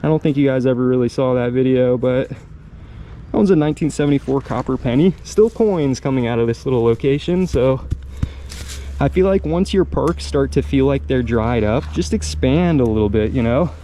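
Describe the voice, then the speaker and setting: A metal detecting host with a mellow, medium-pitched voice talks at normal speed during a park outing. Casual and slangy, he muses aloud as he searches for finds. Park ambience is plainly heard in the background.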